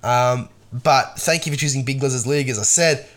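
A man's voice: medium pitch, a little fast, a bit bright. A man with an Australian accent hosting a solo sports news podcast, talking casually and with strong opinions, his voice nasal and congested from a cold. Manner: casual, opinionated, many ums and restarts. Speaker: podcast host.

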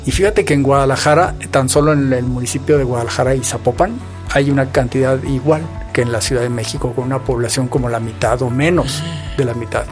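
A man's voice: medium pitch, fairly quick, faint music behind. A man, co-hosting a podcast in casual conversation, chatty with joking asides. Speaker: podcast co-host.

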